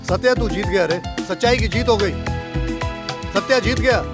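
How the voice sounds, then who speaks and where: A man's voice: high-pitched, normal speed, over loud music, natural voice. A man dubbing a police officer who calls out to his friend with strong emotion. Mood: stern to jubilant. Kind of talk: Hindi film dub. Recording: loud film score under the voice.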